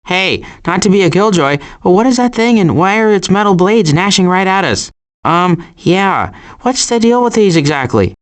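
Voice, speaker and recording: A man voicing a wry, wisecracking woodland animal in an animated video game. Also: sits high, normal speed.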